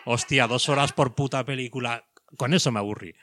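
A man from Spain in a casual podcast chat, animated and swearing, laughing often. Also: mid-range voice, a little fast, slight background noise. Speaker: podcast co-host.

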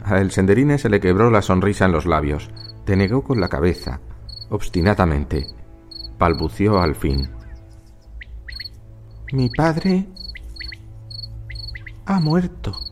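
A man narrating a story in an expressive, dramatic reading style. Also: low voice, normal speed, faint music behind.

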